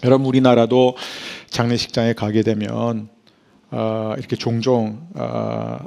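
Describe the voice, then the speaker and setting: Middle-aged man, pastor; raspy, gravelly tone, preaches with sudden hushes and loud, emphatic climaxes. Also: mid-range voice, level tone, unhurried. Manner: dramatic, swings from hushed whispers to loud emphatic bursts. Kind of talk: sermon.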